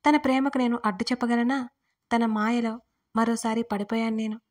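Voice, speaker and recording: A woman's voice: on the high side, a little mellow. A young adult woman telling a romantic audio story in the first person, in an intimate, emotional narrating voice.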